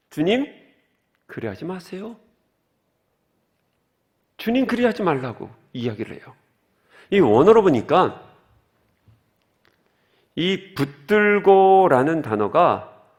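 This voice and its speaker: A man as pastor preaching a sermon, who asks the congregation questions and explains the words of the text. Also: mid-range voice.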